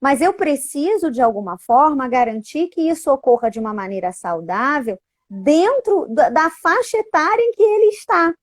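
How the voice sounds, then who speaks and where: A woman's voice: sits high, moderate pace, no room sound, clean studio sound. A middle-aged woman, an educator and parent, talking casually and animatedly, often tagging her sentences with little questions. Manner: animated, frequent tag questions. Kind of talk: casual conversational talk.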